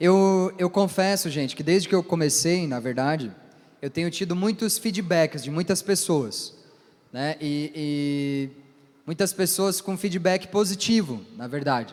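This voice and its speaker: Here a man with a high pitch speaks at a fairly slow pace and ordinary pitch variation. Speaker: pastor. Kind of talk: sermon. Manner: not shouting.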